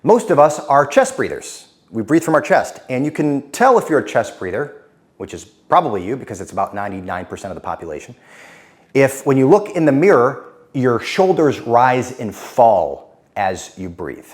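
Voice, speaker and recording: A man teaching to camera as a speaking coach, blunt and direct, letting his pitch fall at the end of sentences. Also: big pitch swings, moderate pace. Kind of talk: instructional talk to camera.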